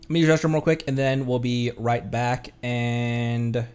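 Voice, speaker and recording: A man's voice: medium pitch, steady tone, a little slow, a little mellow, smooth. A man streaming a video game, chatting casually in a rambling, hesitant way as he thinks aloud. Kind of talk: casual livestream gaming chat. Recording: music in the background. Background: background music.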